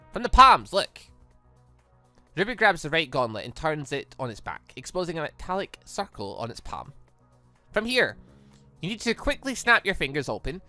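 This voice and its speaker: A host reading a visual novel aloud in an animated, rambling way, slipping between the script and off-the-cuff reactions. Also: medium pitch. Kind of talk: lively read-along commentary with ad-libbed asides.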